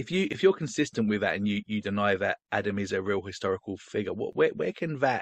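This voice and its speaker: The sound is dry and close with no echo as a man speaks at a fairly quick pace against a quiet background. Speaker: interviewer. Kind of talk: interview.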